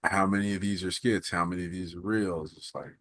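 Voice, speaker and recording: Podcast guy, lowish voice, kinda unsure, dry close sound. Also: fairly even intonation, fast, a bit bright, no echo. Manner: hesitant, rambling musing. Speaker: podcast co-host. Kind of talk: casual chat.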